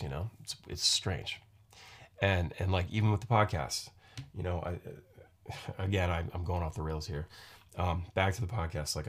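Very deep-voiced man rambling on a podcast. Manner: rambling, halting, many restarts and fillers. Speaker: podcast host and musician. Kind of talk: casual solo podcast monologue. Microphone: podcast microphone.

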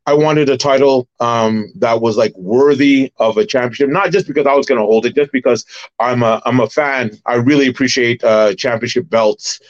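A middle-aged man from Barbados, a former wrestler and promoter, recalling his career in an animated, detailed way as a podcast guest. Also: mid-range voice, moderate pace, lo-fi sound. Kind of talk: casual interview storytelling.

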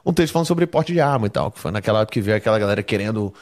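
Lively, fast-talking man telling stories. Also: on the low side. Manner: animated anecdotes, heavy swearing. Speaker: guest comedian and musician. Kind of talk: casual podcast storytelling.

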